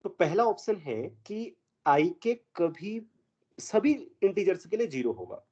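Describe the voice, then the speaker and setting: This is a man giving a math lecture in a classroom, and he keeps quizzing his students as he works through exam options. His voice is dark and mellow. The recording sounds dull and lo-fi. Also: high voice, very animated, measured pace. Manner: mixes Hindi with English math terms, quizzes students. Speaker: math teacher.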